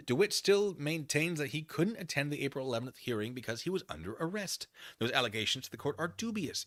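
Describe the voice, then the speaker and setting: Here an American man streaming online performs a dramatic reading of a formal document in a medium-pitched, bright, forceful voice that swoops animatedly. He keeps digressing into wry, offhand commentary and gets excited easily; the sound is close and dry, with no echo.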